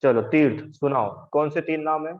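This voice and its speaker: A man's voice: on the high side, moderate pace, lo-fi sound. A man teaching an online religion class, patiently explaining and drilling students by repetition, calling on them by name. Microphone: video call.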